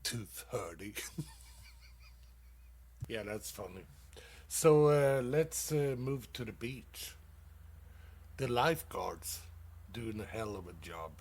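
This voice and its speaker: A man from Sweden, hosting a dad-joke comedy show and laughing loudly at his own punchlines. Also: lowish voice, expressive, slow, pauses often, breathy edge. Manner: casual, calls listeners dude. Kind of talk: dad-joke stand-up on internet radio.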